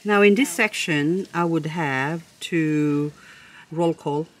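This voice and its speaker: This woman vlogger grows succulents and chats casually about her plants in a low-pitched voice, taking things slowly. Gushing and admiring, she keeps it playful and chatty, joking with herself along the way.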